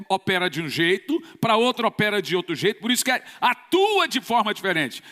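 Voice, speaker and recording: A man's voice: very high-pitched, sharp tone. A man from Brazil, a pastor preaching an emphatic sermon with sudden bursts of force. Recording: long church reverb.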